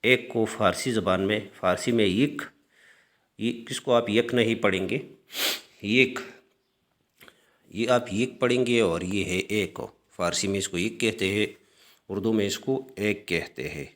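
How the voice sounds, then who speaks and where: Brief: male teacher, deep low voice, slow lesson with frequent hesitations. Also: a bit bright. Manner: clears his throat often. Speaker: language teacher. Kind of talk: screen-share language lesson.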